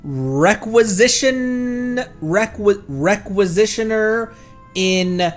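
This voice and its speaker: A man's voice: high voice, very slow, soft background music. A man streaming a game with casual commentary, often stopping and restarting as he talks.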